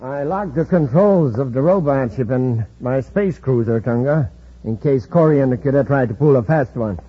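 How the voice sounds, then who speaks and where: A gruff, scheming villain barks orders and plots his next move, played by a man. His voice sits in a middle register and carries the punchy delivery of 1950s radio drama. The old broadcast sounds dull, with a faint hiss underneath. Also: medium pitch, lively intonation, normal speed, natural voice. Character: scheming male villain, gang boss. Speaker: radio actor.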